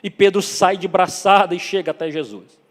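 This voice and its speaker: A man with a northeastern Brazilian accent preaching a sermon, telling the story dramatically, acting out dialogue and building to loud climaxes. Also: high-pitched, moderate pace. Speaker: evangelist preacher. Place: church hall. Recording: long church reverb.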